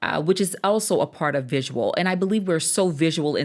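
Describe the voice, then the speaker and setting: On a very clean recording with a silent background, a woman with a Southern US accent speaks with ordinary pitch variation. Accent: Southern twang, still present. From US South. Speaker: podcast host. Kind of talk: interview.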